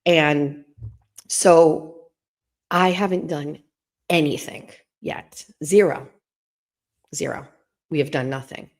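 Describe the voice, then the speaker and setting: A middle-aged woman hosting a live stream from home, chatting in a hushed, rambling way so she won't wake anyone. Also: slow, pauses often. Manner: talking low and hushed to keep from waking someone; chatty and rambling, full of asides and restarts.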